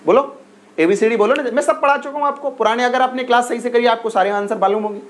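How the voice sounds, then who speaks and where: A man teaching an exam-prep class in a high, bright-toned voice. He repeats each question several times and keeps urging his students to answer fast. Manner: repetitive, coaxing, drills questions and urges quick answers.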